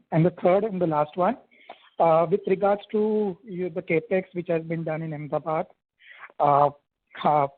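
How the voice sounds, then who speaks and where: An analyst calls in over the phone, his slightly raised voice a little husky. The line is thin, dry and telephone-like. He sets out his questions one by one in a careful order. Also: fairly high pitch, no room sound. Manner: methodical, lays out numbered questions. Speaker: analyst caller. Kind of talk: asking questions on an earnings call. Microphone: phone handset.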